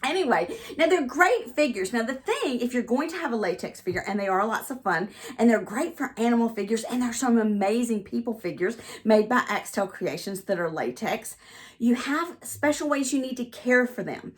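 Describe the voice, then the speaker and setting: Lady ventriloquist vlogging, chatty n rambly, highish voice, really animated ups and downs. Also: normal speed. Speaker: ventriloquist and stand-up comedian. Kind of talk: casual puppet demonstration vlog.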